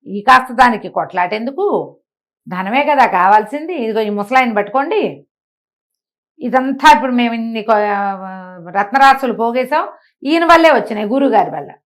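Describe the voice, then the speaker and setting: A woman voicing rough, greedy male forest bandits in a bedtime story, blunt, impatient and argumentative. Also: a little high, animated, moderate pace, long pauses, natural voice. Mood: demanding.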